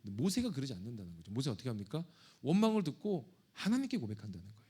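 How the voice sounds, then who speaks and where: A man's voice: medium pitch, very animated, racing, mellow, breathy edge. A male pastor preaching a sermon in a conversational, joking and confessional manner. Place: church sanctuary.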